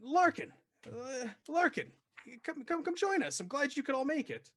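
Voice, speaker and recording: A man voicing an eager, gracious gentleman in a white suit who welcomes guests to his table. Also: extremely high pitch, big pitch swings, normal speed, pitched above the performer's own voice. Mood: welcoming. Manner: effusive, repeating welcomes.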